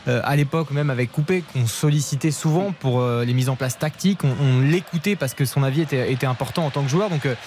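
Fast-talking man reporting football. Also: mid-range voice, darkish tone, slight background noise. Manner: measured, informative explanation. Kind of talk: radio football analysis.

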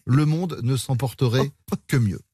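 A man's voice: medium pitch, a little slow, mellow, breathy edge, no echo, clean studio sound. A man hosting a radio show, asking playful, teasing questions of his guest. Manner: teasing, friendly interviewer. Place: radio studio.

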